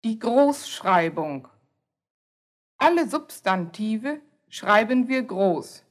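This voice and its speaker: A woman reading a scripted language lesson, pronouncing each word carefully and deliberately. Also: fairly high pitch. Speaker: language teacher.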